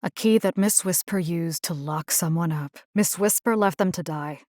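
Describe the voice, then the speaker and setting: Game role: actress as young Latina combat rescue engineer. Tough, wry, slangy, very dry studio sound. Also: female voice, lowish voice, normal speed, darkish tone, no room sound, close to an everyday voice. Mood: focused, serious. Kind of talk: video game character voice lines.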